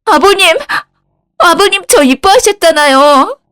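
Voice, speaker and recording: A woman's voice: very high voice, animated, a little slow, fairly bright tone, pitched above the performer's own voice, heavily acted. A woman voicing a lying young daughter-in-law who pleads and stammers. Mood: shrill protest.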